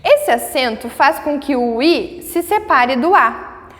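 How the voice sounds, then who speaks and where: High-voiced Brazilian teacher, reverberant room. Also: female voice, expressive. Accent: Brazilian Portuguese. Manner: patient, checks in often with tags; spells words out slowly syllable by syllable. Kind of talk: online grammar lesson.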